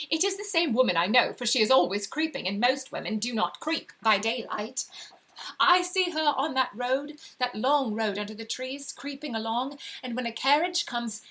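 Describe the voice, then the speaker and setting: Female actor as Victorian wife losing her reason, British accent, higher register, intense and secretive with hushed emphasis, literary monologue. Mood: excited, conspiratorial. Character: obsessive, secretive young 1890s wife slipping into madness. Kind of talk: dramatic first-person short story reading. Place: live reading over video call.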